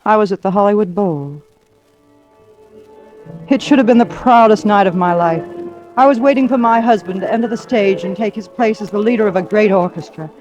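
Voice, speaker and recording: An actress playing an anxious, bedridden wife of a music professor in a 1940s radio drama, narrating with quiet fear. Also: female voice, medium pitch, a little fast, lightly acted. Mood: uneasy. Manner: fearful, confiding narration. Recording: dull old radio broadcast recording.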